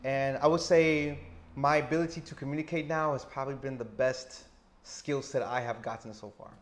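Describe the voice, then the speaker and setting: Slow, deliberate man with a stutter. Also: medium pitch, fairly even intonation. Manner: speaks slowly and deliberately to manage a stutter. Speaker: interview guest, teacher living abroad. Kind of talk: casual interview. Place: indoor lounge with sofa. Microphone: lapel mic.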